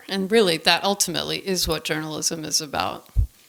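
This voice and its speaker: A woman speaks at a fairly low pitch with vocal fry and fairly even intonation. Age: 60s. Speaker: newspaper reporter. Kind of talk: panel remarks.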